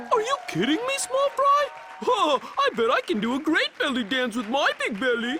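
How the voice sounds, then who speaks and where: A cartoonish character voice pitched high. Clear background noise runs underneath. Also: moderate pace. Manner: casual, boastful.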